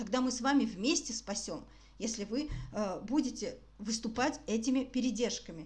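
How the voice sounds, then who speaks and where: A woman talks at a moderate pace in a high pitch with ordinary pitch variation. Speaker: animal rescue volunteer. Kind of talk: livestream Q&A. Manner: emotional.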